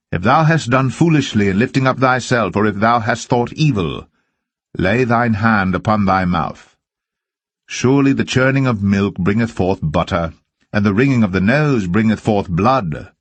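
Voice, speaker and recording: A man reading scripture aloud as solemn narration, with measured and deliberate phrasing. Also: on the low side, dry recording. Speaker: Bible reader.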